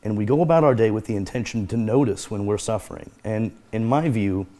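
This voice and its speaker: A man with a low, soft-edged voice talks through ideas as a guest therapist. He explains earnestly and circles back to repeat the phrases he wants to stick. His delivery is conversational and steady. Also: brisk.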